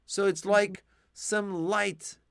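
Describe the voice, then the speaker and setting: A man's voice: high voice, steady tone, very slow, gravelly, clean tone, no echo. Patient male English teacher, dry sound. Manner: patient explaining, with frequent fillers and restarts. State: losing his voice. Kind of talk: live online one-to-one English lesson.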